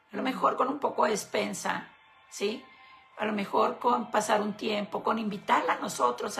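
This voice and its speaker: A woman talks casually about faith and marriage. Her voice has a noticeable gravelly fry, and she tells her story at an unhurried pace, slowing down to land the point. Faint music sits low in the background. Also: fairly bright tone. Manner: unhurried storyteller, slows for emphasis. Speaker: co-host of a Christian women's talk show. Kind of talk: casual talk, retelling a fable.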